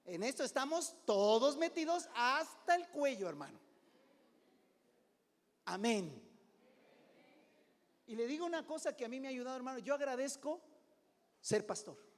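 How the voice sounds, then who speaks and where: A middle-aged man preaching as a pastor, conversational, often calling "hermano", swinging between loud and hushed. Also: very high-pitched, sing-song, normal speed, pauses often. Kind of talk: sermon. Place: church sanctuary. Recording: long hall reverb.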